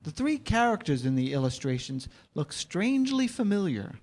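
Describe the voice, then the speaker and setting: A man's voice: high voice, big pitch swings, normal speed, a little mellow. A man reading out stage directions as the narrator of a staged comedy reading.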